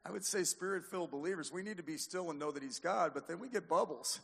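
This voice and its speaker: A man's voice: sits high, quick pace, vocal fry, fairly bright tone, a little hiss or hum. An older man with an American accent preaching a charismatic sermon, exhorting in a folksy way and repeating phrases for emphasis. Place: large church or hall, live preaching. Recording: long echoing hall reverb.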